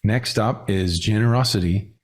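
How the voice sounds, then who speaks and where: A man speaking as a voice coach in a conversational teaching style, halting and reflective, gently inviting the listener in. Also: fairly low pitch.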